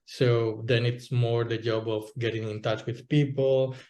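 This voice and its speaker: A man's voice: medium pitch, flat delivery, measured pace, darkish tone, reverberant. A man, a guest in a casual interview, talking hesitantly with many restarts. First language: Spanish. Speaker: guest, localization entrepreneur.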